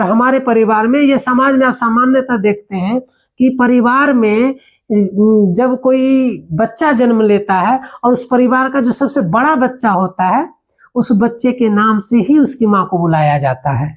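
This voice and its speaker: Woman, fairly high voice, grammar teacher, rhetorical questions, careful letter-by-letter recitation. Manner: explains with rhetorical questions and homely examples. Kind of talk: spoken grammar lesson.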